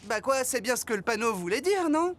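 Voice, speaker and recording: Casting: sweet, guileless young cartoon boy. Slightly high, expressive, earnest. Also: a little fast. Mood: innocent. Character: naive, easygoing young boy street musician, sweet-natured. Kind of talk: animated children's series dub.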